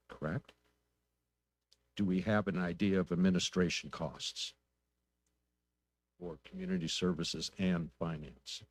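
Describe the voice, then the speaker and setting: A man serving as a council member at a public meeting asks probing questions in a plainspoken, deliberate manner. His voice sits low, and there is no echo.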